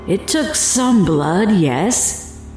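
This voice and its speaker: A woman's voice: medium pitch, lively intonation, a little mellow. A woman playing an evil, taunting cultist witch in a horror audio drama, gloating and mocking as she speaks. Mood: fervent, sinister. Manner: gloating, mocking, slow and deliberate, cackling. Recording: very echoey, music underneath.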